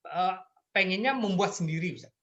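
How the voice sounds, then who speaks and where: A man's voice: high-pitched, moderate pace, fairly bright tone, lo-fi sound. A middle-aged man from Madura, a lecturer speaking earnestly in casual conversation and chuckling at himself now and then. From Madura, Indonesia. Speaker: Arabic lecturer, app creator.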